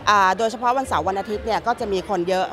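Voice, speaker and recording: A woman's voice: medium pitch, crowd noise. A middle-aged woman event organizer answering interview questions matter-of-factly, often restarting her words, into press mics in an indoor hall. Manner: fast, matter-of-fact, with repeated restarts. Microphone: several handheld press mics.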